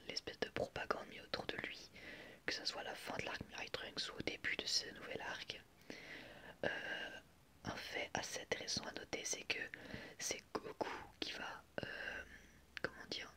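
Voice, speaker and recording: Un homme qui anime une vidéo ASMR, au chuchotement doux, avec un phrasé hésitant. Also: male voice. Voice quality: soft unvoiced whisper. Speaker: host of an anime ASMR channel. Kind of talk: whispered ASMR commentary.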